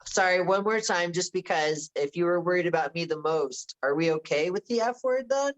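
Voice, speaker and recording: A woman chatting casually and eagerly in an excitable way with friends on a video call. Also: lowish voice, normal speed, poor audio. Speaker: actor in an amateur table read. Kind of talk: casual chat.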